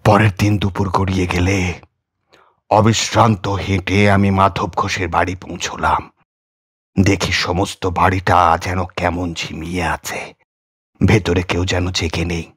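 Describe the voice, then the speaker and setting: Low-voiced man narrating a horror story. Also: little pitch movement, measured pace, husky. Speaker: audiobook narrator.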